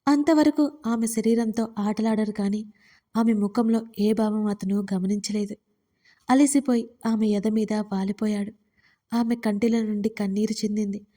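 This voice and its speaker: A woman narrating a romantic audio story in a steady, even reading voice. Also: medium pitch, measured pace. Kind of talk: scripted narration.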